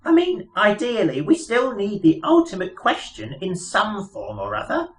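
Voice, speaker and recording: A man's voice: high-pitched, big pitch swings, moderate pace, creaky, voice pushed up, heavily acted. A man voicing a small, scheming mouse in a storybook reading, piping, polite and coolly ruthless. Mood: earnest, persuasive. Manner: polite, wheedling, businesslike.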